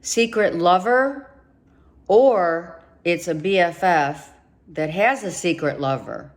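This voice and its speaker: Slow low-voiced woman reading tarot. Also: lively intonation. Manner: emphatic, repeats herself, talks straight to the viewer. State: losing her voice, coughing. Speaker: tarot reader.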